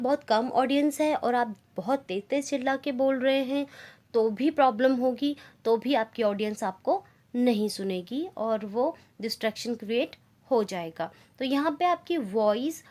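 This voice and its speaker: A woman teaching a class in a high, clear voice. She speaks at an unhurried pace and reads definitions slowly before explaining them. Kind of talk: classroom lecture.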